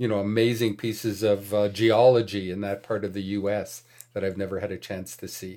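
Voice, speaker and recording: Flat and monotone in intonation, a man with a fairly low pitch and a dark, mellow tone speaks at a moderate pace on a very clean recording with a silent background. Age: 60s. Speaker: programming educator and author. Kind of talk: casual interview conversation. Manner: relaxed, hesitant with filler words.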